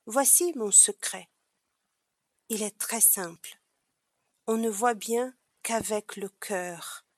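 A woman reading as a wise, calm fox. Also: medium pitch, dry recording. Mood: solemn. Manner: calm, slow and solemn.

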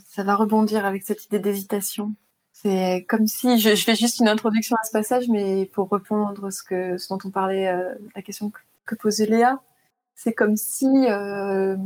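A woman in her thirties talks about her book in an interview, her voice sitting at an ordinary middle pitch. She thinks aloud and often restarts her sentences as she searches for the right words. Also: a little mellow. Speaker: author guest. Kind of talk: interview conversation and book reading.

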